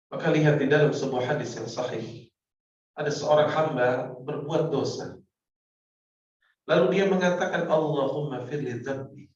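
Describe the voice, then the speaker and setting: A man preaching a sermon, telling stories dramatically and swinging from pleading outbursts to hushed lines. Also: medium pitch. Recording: echoey hall, from far off, dull sound.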